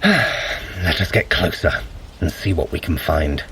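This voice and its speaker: An actor playing a sly trickster god and sorcerer in an audio drama, with a dry, dramatic, articulate delivery. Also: male voice, low voice, sing-song, slow pace, pushed and bright, full character voice, poor audio. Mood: wry, musing. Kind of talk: scripted audio drama acting. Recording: clear background noise of ambient effects.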